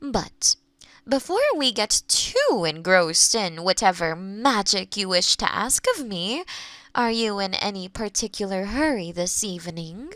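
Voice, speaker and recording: A woman playing a kind, playful young witch who lives alone in the forest, speaking gently and teasingly to the listener in a roleplay audio drama. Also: mid-range voice, animated, no echo. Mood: warm, inviting. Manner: gentle, unhurried, teasing, with soft chuckles.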